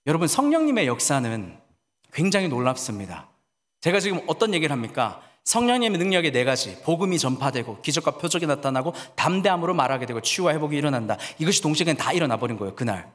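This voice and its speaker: A male pastor tells a story from the pulpit, lively and animated, acting out the people he quotes. His voice sits fairly high for a man and rings with a long church-hall reverb. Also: quick pace. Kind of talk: sermon storytelling.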